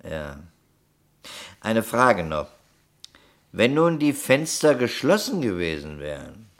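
An actor playing a wry, probing police detective in a German radio crime play, questioning sceptically. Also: male voice, lowish voice, wildly swooping pitch, takes it slowly, fairly bright tone, heavily acted. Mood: businesslike.

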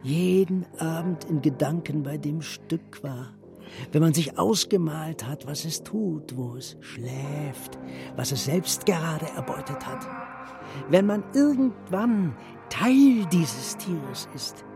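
A man's voice: a little high, expressive, takes it slowly, vocal fry, over music, heavily acted. A man playing a haughty, menacing upper-class hunter in a radio drama, speaking with condescension. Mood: menacing, savouring. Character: arrogant upper-class hunter, menacing, obsessive murder suspect. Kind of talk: German radio drama acting.

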